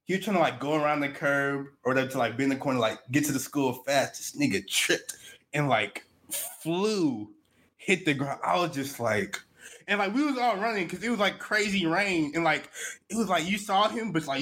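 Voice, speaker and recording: A young man co-hosting a podcast, telling stories in a relaxed, slangy, unhurried way. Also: a little high. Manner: laid-back slang storytelling, drawn-out. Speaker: podcast co-host. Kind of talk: casual chat.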